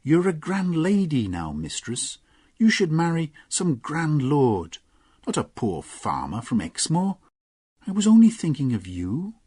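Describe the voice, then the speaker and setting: A man reading aloud and voicing a stubborn young female servant in a storybook, speaking slowly. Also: on the high side, huge pitch swings, mellow, slightly rough, no echo, clean studio sound, pitched above the performer's own voice, heavily acted. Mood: sulky. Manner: slow, defiant.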